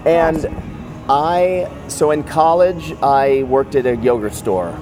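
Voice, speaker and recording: Curious man with a slightly high voice. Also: takes it slowly, over music, poor audio. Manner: curious, asks follow-up questions, chatty. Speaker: host, interviewer. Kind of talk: casual interview.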